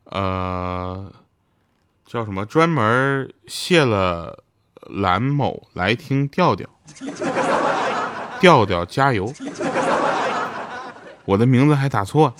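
A man's voice: on the low side, expressive, drawn-out words, pauses often, a bit bright. A man hosting a comedic podcast, joking and mocking himself, often laughing as he talks. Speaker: podcast host. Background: background music.

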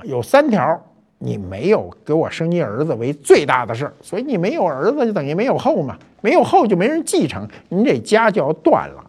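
Older man telling history with lively pitch. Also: husky. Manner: chatty, colloquial, lively asides. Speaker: host. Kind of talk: storytelling talk show.

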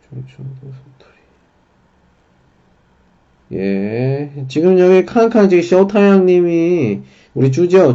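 A man teaching a casual livestream language lesson, unhurried and dropping in frequent filler acknowledgements. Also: medium pitch, dark tone, muffled recording.

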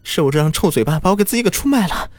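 A man's voice: mid-range voice, big pitch swings, moderate pace, darkish tone, no echo. A man voicing a smug, haughty white fox spirit that has possessed a village wife, speaking in a sneering, mocking way. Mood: panicked. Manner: sneering, mocking, nasal snorts.

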